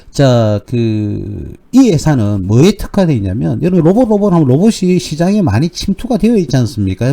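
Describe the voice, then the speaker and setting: The man's tone is dark and mellow, pitched fairly high and somewhat breathy. His pitch swings very widely. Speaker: stock market commentator. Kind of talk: market analysis talk. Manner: fast.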